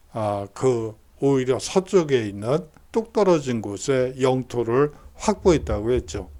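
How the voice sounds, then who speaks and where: A man's voice: mid-range voice, a little mellow. A man giving a recorded university history lecture, explaining steadily with frequent hesitation fillers.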